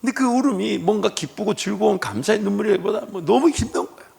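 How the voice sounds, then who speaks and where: A male pastor preaching a sermon, moving between hushed, whispered prayer and loud, animated storytelling. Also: high-pitched, fast, gravelly. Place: church sanctuary. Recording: echoey church hall.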